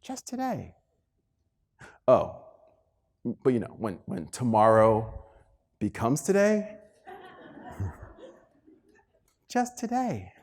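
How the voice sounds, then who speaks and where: Male keynote speaker, motivational storyteller, highly animated pitch, emphatic delivery, slips into acted-out dialogue. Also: drawn-out words, long pauses. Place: live talk before an audience.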